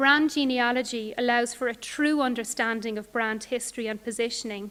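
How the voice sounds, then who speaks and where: A woman with an Irish accent, high in pitch and bright and sharp in tone, at a fairly quick pace with fairly even intonation. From Ireland. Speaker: corporate archivist, conference keynote speaker. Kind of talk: conference keynote presentation.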